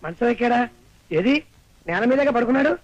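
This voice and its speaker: An actor playing a joking young student who teases his friend in rapid banter, on an old film soundtrack with music behind. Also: very high voice, animated, highs cut off. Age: young adult.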